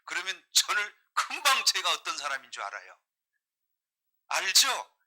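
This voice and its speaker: A man's voice: sits high, wildly swooping pitch, a little slow, pushed and bright. A middle-aged man from Jeolla, a pastor preaching a sermon, reading scripture and putting emphatic rhetorical questions to his congregation. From Jeolla, South Korea.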